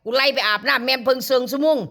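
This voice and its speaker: A woman's voice: sits high, rapid-fire, vocal fry, a bit bright. A woman in her late fifties with an Isan accent, hosting a live stream and ranting angrily with crude insults and swearing, her voice a little worn from overuse. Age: 50s.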